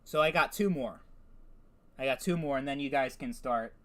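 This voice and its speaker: A man's voice: mid-range voice, normal speed, a bit bright. A man hosting a casual gaming video, reacting with laughter and swearing. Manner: casual, profane, laughing, self-deprecating. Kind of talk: casual commentary reading chatbot outputs.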